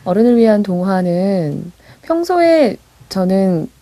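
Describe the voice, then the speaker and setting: Soft-spoken woman radio host, mellow voice. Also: medium pitch, very animated, slow pace, no room sound. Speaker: radio host reading fairy tales for adults. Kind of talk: interview answers.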